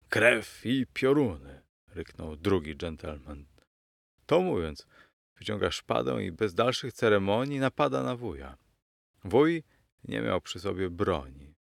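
Deep gravelly male storyteller. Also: dry recording, studio quality. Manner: storyteller addressing listeners as gentlemen. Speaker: audiobook narrator. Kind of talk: scripted storytelling narration.

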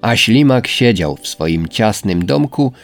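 Calm, slow male storybook reader. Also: lowish voice. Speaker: narrator. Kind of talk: storybook reading. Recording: faint background music.

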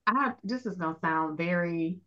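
A woman's voice: fairly low pitch, moderate pace, a bit bright, lo-fi sound. A woman with an African American, Southern US accent talking candidly and reflectively in a casual panel discussion. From US Midwest, later moved to the South.

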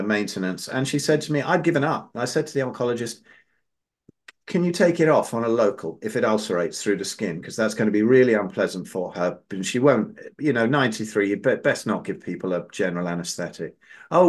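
A man hosting a podcast, telling a long personal story casually, his voice jumping up when he quotes others. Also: medium pitch. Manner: animated, rises sharply when quoting others. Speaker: podcast host.

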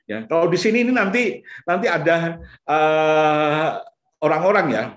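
A man's voice: high voice, quick pace. A man giving a casual seminar talk about the brain and parenting, chatty and full of fillers, now and then acting out voices of parents and children. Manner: conversational, many fillers like "gitu ya"; acts out parents and children in lively bursts. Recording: echoey room.

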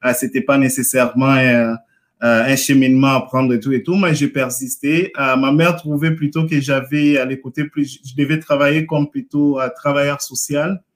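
Halting man answering as interview guest. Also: medium pitch, level tone. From Montreal, Canada, of Congolese descent. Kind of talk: casual live interview talk.

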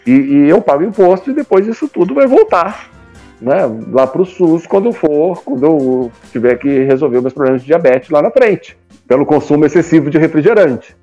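Higher-pitched Brazilian man in his fifties, lo-fi. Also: expressive, moderate pace, mellow, faint music behind. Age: 50s. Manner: talkative, colloquial, often seeks agreement with tag questions. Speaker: guest, comics publisher. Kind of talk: casual conversational interview talk.

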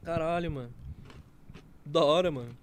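A man's voice: fairly high pitch, moderate pace, crowd noise. A man with a Brazilian Portuguese accent chatting casually in slang as a podcast guest.

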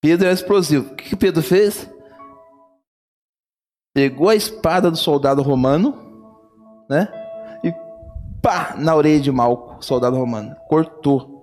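A man's voice: fairly high pitch, a little slow, pauses often, a little mellow, soft background music. A man preaching a sermon, telling a story fervently and repeating phrases. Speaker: pastor.

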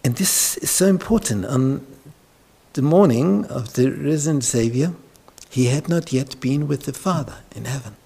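Slow gravelly pastor. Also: male voice, mid-range voice, expressive, warm tone. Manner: slow, dramatic, drops to whispers when retelling scripture. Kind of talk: sermon, Bible teaching.

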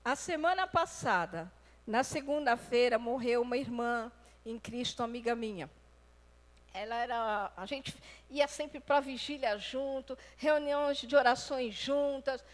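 Woman preacher, high voice, lively sermon, acts out quotes, loud then soft, long reverb. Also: measured pace.

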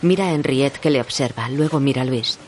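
A calm audio description narrator with a mid-pitched voice, describing scenes in an even, measured way between lines of dialogue. A faint background hiss runs under the reading.

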